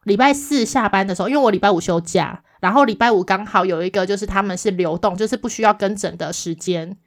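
Lady on a chat podcast, talks fast, acts out what everyone said, mid pitch. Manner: lively storyteller, acts out the other people's replies. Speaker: podcast co-host. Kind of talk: casual chat, telling a work story.

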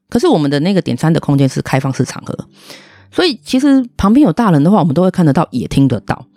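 A woman hosts a casual monologue and tells her story with blunt indignation. Her voice swoops up and down, and the words tumble out rapidly. The recording is dry and close. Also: deep voice, a little mellow, no room sound. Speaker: podcast host, restaurant owner.

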